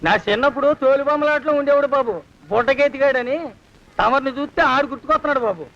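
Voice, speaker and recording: A man's voice: very high voice, quick pace. An actor playing a cheeky village servant man who mocks his master in a sly, teasing way. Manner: sly, mocking. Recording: dull lo-fi film soundtrack.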